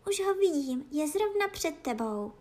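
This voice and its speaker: A woman voicing a clever, sly female cat in a children's fairy tale, with a hushed, hissing delivery. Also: very high voice, lively intonation, pitched above the performer's own voice. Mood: alert, conspiratorial.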